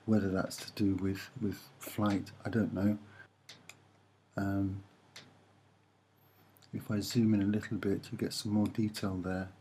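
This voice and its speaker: Slow, low, soft-spoken man. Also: level tone, slight background noise. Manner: tentative, hesitant, musing. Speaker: amateur presenter of image analysis. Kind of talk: soft-spoken rambling image commentary.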